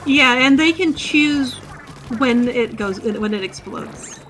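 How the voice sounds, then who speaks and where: Speaking slowly in a high-pitched voice against background noise, a woman streams a game and chats casually. As an experienced player, she patiently instructs a newcomer and laughs frequently.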